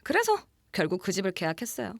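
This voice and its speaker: An actress playing a young office worker who recounts an eerie experience in a conversational way, in a horror audio drama. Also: female voice, mid-range voice, creaky, faint music behind. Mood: chatty, uneasy. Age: young adult. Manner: conversational, animated narration with drawn-out murmurs and whispers.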